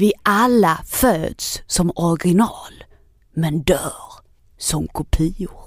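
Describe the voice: A female-sounding, put-on character voice sits at a middle pitch.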